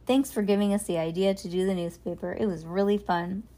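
A woman's voice: medium pitch, fairly even intonation, fairly quick, mellow, natural voice. A sly, bold little storybook girl full of mischief, as a woman reads her aloud. Her lines come out light and plain, barely changed from the reader's own. It sounds like a parent reading at bedtime.

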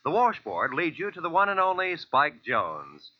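A man's voice: fairly high pitch, huge pitch swings, normal speed, no room sound. A man with an American accent announcing in scripted 1940s network radio style. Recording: muffled old radio recording.

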